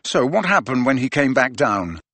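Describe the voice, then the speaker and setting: A man's voice: medium pitch, big pitch swings, moderate pace, a bit bright, no room sound. A man voicing an angry, driven teenage boy wizard with an intense, pressing manner.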